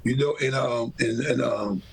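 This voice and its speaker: Gravelly-voiced man telling stories. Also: mid-range voice, steady tone, a little slow. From Boston, Massachusetts. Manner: rambling, storytelling with quoted voices. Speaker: podcast host. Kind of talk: casual podcast chat.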